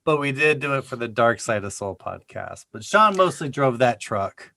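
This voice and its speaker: A man's voice: mid-range voice, expressive, normal speed, gravelly, sharp tone. A man hosting a podcast party over a video call, teasing and joking with guests. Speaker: podcast host. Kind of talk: casual chat on a video call.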